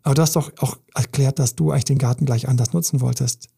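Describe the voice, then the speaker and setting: Very husky, gravelly man. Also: mid-range voice, fairly even intonation, fast, mellow. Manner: emphatic, intense, with repetition. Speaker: relationship coach. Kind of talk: podcast monologue.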